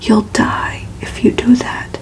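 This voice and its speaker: A woman's voice: slow, a little mellow, lightly acted, rough recording. A woman voicing a domineering, impatient male vampire mentor from a gothic novel in a curt, commanding whisper. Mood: stern warning.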